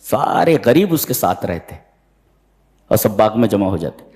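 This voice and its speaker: In a recording with hall reverb, a male preacher delivers Quran commentary as a sermon, telling the story in an animated, dramatic style. He slips into high voices for the characters and recites the Arabic verses in a slow chant.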